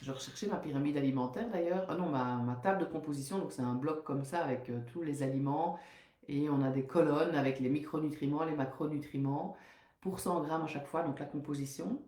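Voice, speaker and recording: A woman dietitian with a soothing voice, giving a loose, conversational live talk and reading passages aloud in a steady way. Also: low-pitched, fairly quick, reverberant.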